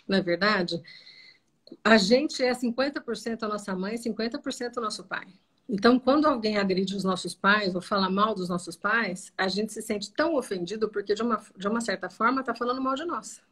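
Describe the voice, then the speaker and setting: A woman's voice: mid-range voice, brisk, a bit bright, breathy edge. A Brazilian woman therapist giving a didactic, conversational talk to camera about marriage, acting out sample dialogues as she explains. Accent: Brazilian Portuguese.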